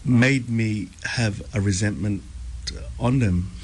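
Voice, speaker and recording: A young Australian man telling his life story as a radio guest, halting, with many ums and repeated words. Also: on the low side, slight background noise. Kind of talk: personal testimony interview. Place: radio studio.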